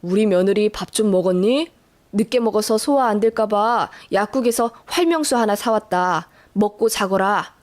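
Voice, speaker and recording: A gentle older father-in-law speaks in a calm, fatherly way, his voice pitched lower than the narrator's own, played by a woman reading the story. It is a storybook radio-drama reading. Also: normal speed, close to an everyday voice. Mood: kind.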